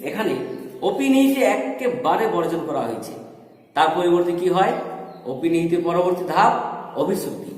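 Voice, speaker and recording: A high-voiced man teaches a lesson, posing questions to himself and answering them. He sounds like he is in a bare room with a long, ringing reverb. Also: lively intonation, moderate pace. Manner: explains step by step, asks and answers his own questions. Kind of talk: recorded lecture.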